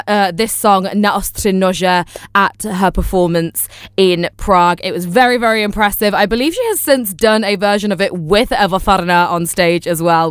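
A young woman hosting a music radio show, chatty and enthusiastic, often pausing on fillers and apologizing for names she might mispronounce. Her voice is smooth and clear, recorded close and dry with no room sound. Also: mid-range voice, no echo. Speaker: radio presenter. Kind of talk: casual radio chat.

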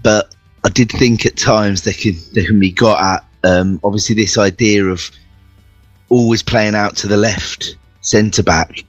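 A man giving a measured football preview on radio, analysing tactics with some restarts. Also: fairly low pitch, fairly even intonation, no echo, dull audio, faint music behind. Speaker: football pundit.

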